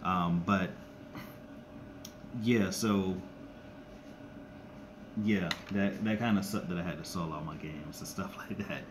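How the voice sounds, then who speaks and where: Casting: man, very low pitch, raspy and monotone from a cold, halting casual streamer talk, faint background hiss. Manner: halting, many ums and restarts. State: scratchy throat from a cold. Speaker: YouTuber doing a live stream. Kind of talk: casual live-stream chat. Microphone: close to the screen and device.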